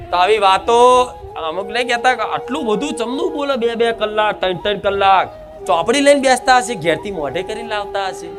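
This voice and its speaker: High-voiced man preaching nonstop over music. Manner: nonstop exhorting, leads call-and-response chants. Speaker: spiritual medium speaking as a goddess. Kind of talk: devotional sermon.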